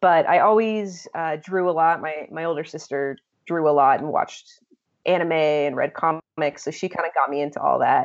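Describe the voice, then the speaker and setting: At a moderate pace, a woman with a normal speaking voice and a fairly low pitch talks with fairly even intonation. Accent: American. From Virginia, US (raised partly abroad). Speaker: animation writer. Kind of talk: interview conversation.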